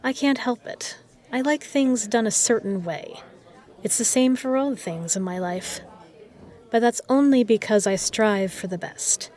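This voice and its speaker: Female actor as self-assured, exacting bar patron, flirtatious yet protective; formal, measured delivery for scripted audio roleplay. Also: fairly high pitch, a little mellow, natural voice. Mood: warm, flirtatious.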